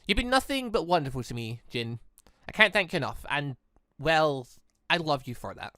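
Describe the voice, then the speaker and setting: Man reading as an earnest, bright-voiced young suitor. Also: fairly high pitch, very animated, moderate pace, no room sound, clean studio sound. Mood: tender. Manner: sincere, slightly awkward. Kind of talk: visual novel read aloud.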